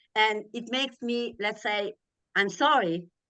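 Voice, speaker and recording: The tone is bright and sharp, with fairly even intonation. The background is quiet. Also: woman. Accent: Italian. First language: Italian. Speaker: audience member asking questions. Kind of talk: Q&A discussion.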